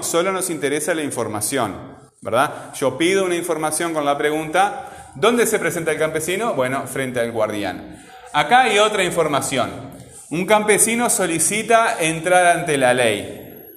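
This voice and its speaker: A man's voice: a little high, fairly bright tone. A man teaching a classroom grammar lesson, asking questions patiently and repeating key points. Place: classroom with a voice-bouncing echo. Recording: echoey classroom with long reverb.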